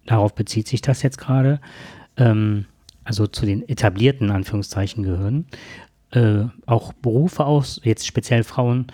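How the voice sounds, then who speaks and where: A man explaining things from notes in a conversation, with halting phrasing and formal wording. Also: lowish voice, warm tone, no room sound, clean studio sound. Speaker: podcast co-host.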